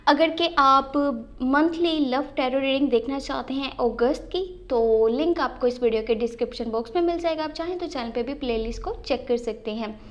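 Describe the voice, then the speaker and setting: This high-voiced woman from Pakistan hosts a channel where she gives tarot readings to viewers, speaking at a normal speed with few pauses. Her throat sounds slightly sore, and she mixes English phrases into her talk.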